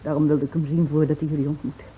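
An actress playing a grieving, reproachful village woman in a Dutch radio drama, speaking with halting solemnity. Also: low voice, level tone, close to an everyday voice. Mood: mournful, bitter. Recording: dull, faintly noisy old radio recording.

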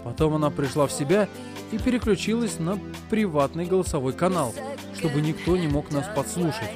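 A young man narrating an audiobook in first person, voicing his own lines in expressive dialogue. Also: fairly high pitch, a little fast, music in the background. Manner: expressive, moving from quiet narration to heated outbursts.

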